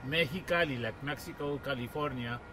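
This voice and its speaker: A podcast host with a mid-pitched male voice asks his questions warmly and admiringly, dropping in the occasional "uh" as he goes. Steady traffic noise from an outdoor setting runs clearly under his voice. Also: fairly quick. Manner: warm and admiring, with frequent filler "uh". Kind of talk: conversational interview.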